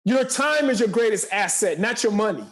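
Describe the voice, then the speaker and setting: A man in his forties speaks in a strikingly high register. He delivers motivational talk with a preacherly drive, hammering key phrases by repeating them. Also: animated, normal speed, a bit bright. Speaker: podcast guest, motivational speaker and entrepreneur.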